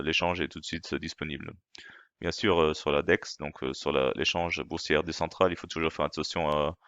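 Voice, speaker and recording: A very deep, slightly bright male voice comes through a dry recording with the highs cut off. Hosting a crypto channel, he translates a video in a casual explainer, speaking hesitantly with lots of fillers and restarts; he isn't a native speaker and French isn't his first language.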